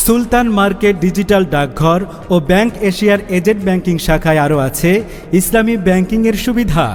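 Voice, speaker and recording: High-voiced man announcing over loudspeaker reverb. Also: brisk. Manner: loud declamatory announcing. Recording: long reverb with music bed. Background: music.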